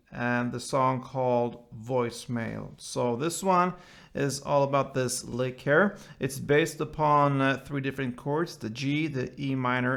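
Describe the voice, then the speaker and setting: Slow, gravelly man teaching guitar. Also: medium pitch, fairly bright tone. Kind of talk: step-by-step instrumental tutorial. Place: indoors, small room, seated with guitar. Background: acoustic guitar playing.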